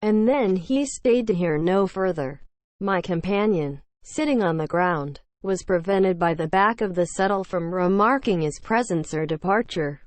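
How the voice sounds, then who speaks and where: Low-pitched woman reading a classic novel, dry sound. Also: unhurried, dry recording. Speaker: audiobook narrator. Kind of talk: scripted narration of a classic novel.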